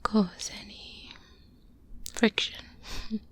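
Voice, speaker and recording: Woman acting a whispering, guarded vampire hunter. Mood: cautioning, reassuring. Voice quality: breathy whisper. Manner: measured, deliberate, hushed, with thoughtful pauses. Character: seasoned, guarded vampire hunter mentoring a nervous trainee. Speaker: ASMR roleplay performer. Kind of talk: soft-spoken ASMR roleplay monologue. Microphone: close-up binaural microphone.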